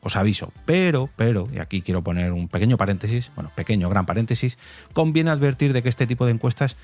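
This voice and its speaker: A man with a mid-pitched voice presents a solo podcast. He explains in a conversational way, often stepping aside to comment. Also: expressive, fast talker, darkish tone. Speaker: podcast host.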